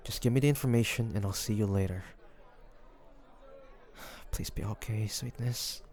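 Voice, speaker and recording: Man acting as a low, gravelly devoted fantasy adventurer. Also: normal speed, a little mellow, close to an everyday voice. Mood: frantic, worried. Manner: intimate, earnest, with breathy sighs. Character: devoted fantasy adventurer and healer, tender toward his dragon beloved. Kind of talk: dramatic audio roleplay addressed to the listener.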